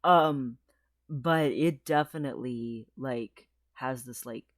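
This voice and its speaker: Speaking at a slow pace in a mid-range voice, a trans man vlogger rambles through a casual video diary, recorded at studio quality without echo. He's chatty, uses many fillers, laughs often, and his voice occasionally cracks.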